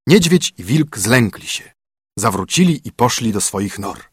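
A man narrates a fairy tale for children on the radio with husky, animated delivery. The sound is dry and close, his pitch rising and falling freely. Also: measured pace, no echo. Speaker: storyteller.

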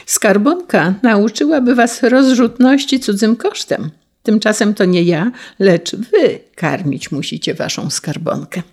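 Brief: kindly stern old grandfather, voiced by a woman narrator, raspy. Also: mid-range voice, expressive, measured pace, a little mellow, pitched above the performer's own voice. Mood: admonishing. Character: wise, gently teasing old grandfather.

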